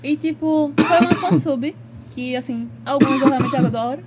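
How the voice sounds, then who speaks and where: A woman with a Brazilian Portuguese accent, co-hosting a podcast in casual chat, teasing with quick quips. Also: high voice, crowd noise. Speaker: podcast co-host.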